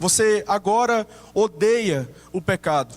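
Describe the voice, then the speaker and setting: A man talks at a high pitch with a strong Ceará accent. The sound is dry and close, with no echo. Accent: Ceará accent, strong again. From Ceará, Brazil (Fortaleza). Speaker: pastor. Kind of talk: sermon. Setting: church.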